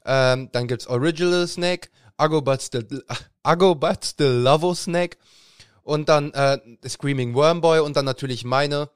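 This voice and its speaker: A man's voice: a little high, a little slow, clear, resonant tone, no room sound, clean studio sound. A young man, a student facing exams, co-hosting a casual podcast and often laughing through his words. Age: young adult. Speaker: podcast co-host. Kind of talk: casual chat.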